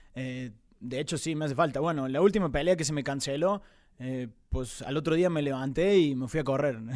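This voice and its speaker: On a very clean recording with a silent background, a man with an unremarkable speaking voice talks at a fairly quick pace, fairly high in pitch and with ordinary pitch variation. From Argentina. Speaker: mixed martial arts fighter. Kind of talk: casual interview. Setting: studio.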